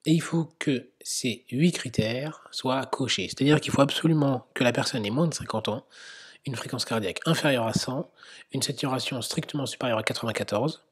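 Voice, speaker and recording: Male lecturer, husky, mid-pitched, teaching from slides with hesitant pauses. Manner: explanatory, frequent hesitations, occasional whispered asides. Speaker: medical lecturer. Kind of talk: slide lecture on medical guidelines.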